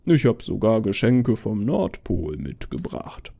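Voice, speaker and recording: A man voicing a jolly, avuncular old Santa who talks slowly and patronizingly to children in a storybook horror tale. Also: huge pitch swings, gravelly, dark tone, slightly rough, heavily acted. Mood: jolly, insistent. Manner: slow, booming, patronizing to children.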